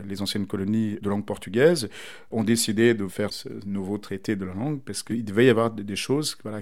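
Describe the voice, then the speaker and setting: Reflective man in his forties. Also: lowish voice. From Mozambique. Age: 40s. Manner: thoughtful, circling back to rephrase ideas. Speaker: interviewee. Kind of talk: reflective interview answer.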